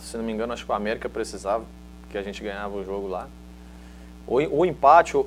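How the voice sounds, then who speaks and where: There's a little hiss or hum under this mid-range male voice. The speaker is a middle-aged ex-footballer from Minas Gerais, Brazil, with a Mineiro accent, recounting anecdotes in a casual interview. He tells them with energy, performing other people's lines.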